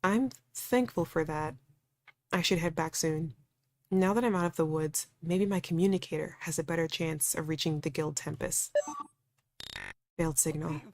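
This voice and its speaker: A wary, stubborn young visual novel protagonist, read by a woman in a slightly low voice. The narration is introspective and dry, telling the ordeal from the inside. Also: moderate pace, darkish tone, slight background noise.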